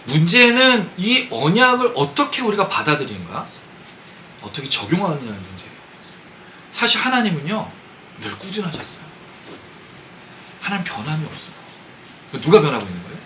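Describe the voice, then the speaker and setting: A man's voice: on the high side, huge pitch swings, moderate pace, pauses often, bright, forceful tone, slight background noise, low-quality recording. A man preaching a Sunday sermon, talking conversationally and asking his congregation questions. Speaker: pastor. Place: church sanctuary.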